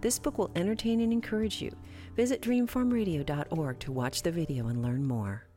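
Woman, radio host, from California, chatty, lowish pitch, faint music. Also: fairly quick, mellow. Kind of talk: casual interview and promo.

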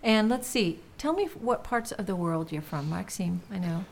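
A woman's voice: medium pitch, animated, normal speed, gravelly. A woman from California hosting a radio show, chatting with guests in a loose, filler-heavy way. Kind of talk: casual interview and promo.

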